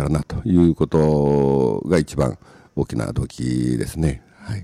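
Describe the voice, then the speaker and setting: The sound of this man's voice is dry and close, with no echo. His tone is dark and mellow. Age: 60s. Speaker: housing company president. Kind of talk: radio interview.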